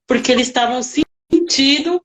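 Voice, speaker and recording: A woman working as a nanny, telling stories in a casual interview with lively, emotional reenactments. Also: sits high, moderate pace.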